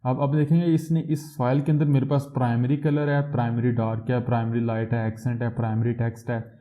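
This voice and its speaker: A man teaching a coding tutorial step by step, pausing to correct himself and filling gaps with hesitation sounds. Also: medium pitch, flat delivery, dark tone. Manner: explains step by step, with frequent self-corrections and filler sounds. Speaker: programming tutor. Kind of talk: screen-recorded coding tutorial. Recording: tinny phone-like audio.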